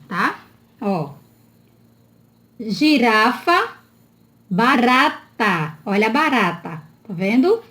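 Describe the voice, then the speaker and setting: A woman teaching a children's spelling lesson in a slow, drawn-out, sing-song voice, often checking in with her listeners. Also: fairly high pitch.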